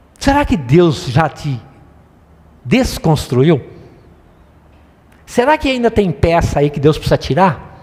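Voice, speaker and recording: A man speaks at a very slow pace and high pitch, with long, frequent pauses. His pitch swings very wide over noticeable background noise. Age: 60s. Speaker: preacher. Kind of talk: sermon. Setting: church. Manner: casual, conversational.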